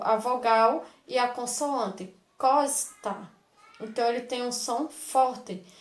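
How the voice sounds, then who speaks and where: A woman teacher gives a recorded lesson to children, speaking affectionately, asking them questions back, and sounding out words one by one. Her voice is a little high, and the sound is roomy.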